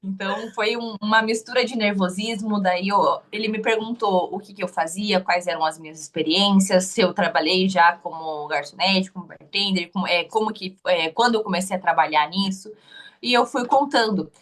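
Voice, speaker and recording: A woman's voice: mid-range voice, normal speed, a bit bright. A young woman with a Curitiba Brazilian Portuguese accent, telling her interview story casually, hesitant with many restarts.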